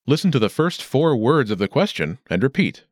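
A man narrating a scripted language lesson as an instructor, enunciating clearly and deliberately. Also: medium pitch, sing-song, no room sound, clean studio sound.

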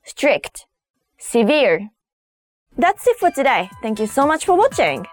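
A woman hosting a scripted language lesson, presenting words one at a time in a clear teaching style. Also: high voice, sing-song, a little fast, soft background music. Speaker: host of a kanji lesson series.

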